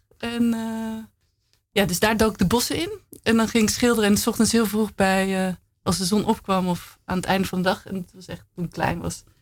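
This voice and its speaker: A woman of medium pitch talks at a moderate pace, her intonation fairly even but her loudness swinging widely. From Netherlands, partly raised abroad speaking English and Italian. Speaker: artist. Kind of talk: radio interview. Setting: radio studio. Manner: halting, many fillers.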